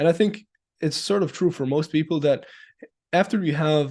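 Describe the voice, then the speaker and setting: With a non-native accent, a man is speaking. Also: quiet background. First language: not English. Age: 20s. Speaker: illustrator. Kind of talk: interview. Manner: casual, hesitant with fillers.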